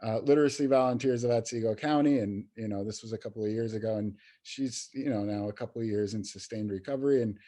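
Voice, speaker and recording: This New York State guest talks fast with few pauses, his fairly low voice carrying a warm tone. As a youth recovery program coordinator, an adult in recovery and peer professional, he speaks casually and hesitantly on the podcast, with many fillers and restarts.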